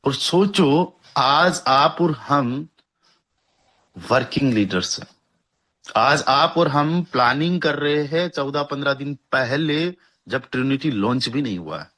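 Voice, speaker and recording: A young man giving a persuasive sales pitch for a network marketing plan, hyping earnings and repeating figures to his listeners. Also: expressive, slow pace, a bit bright.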